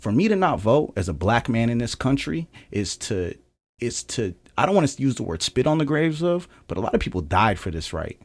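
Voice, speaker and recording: On a very clean recording with a silent background, a man speaks at a medium pitch. His pace is fairly quick, and his pitch swings very widely. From born in Kenya, Rwandan family, raised in US. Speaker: artist and political activist. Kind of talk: casual interview chat.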